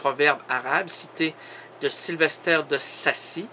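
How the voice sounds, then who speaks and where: A man's voice: a little high, a little slow, bright, forceful tone, a little hiss or hum. A man with a Québécois accent doing a theatrical, absurd comic monologue full of wordplay. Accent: Québécois French. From Quebec. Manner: theatrical, wordplay-driven, exaggerated. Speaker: comic host.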